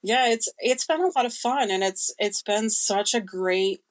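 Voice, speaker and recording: A woman's voice: mid-range voice, unhurried. A woman chatting casually as an interview guest, informal, candid and emphatic. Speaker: creative director of a podcast, guest.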